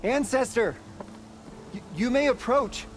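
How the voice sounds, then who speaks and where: A woman's voice: fairly high pitch, measured pace, soft background music, natural voice. A woman playing a nervous, awed tribal sentry in a video game, speaking with hesitant reverence. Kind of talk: video game cutscene acting.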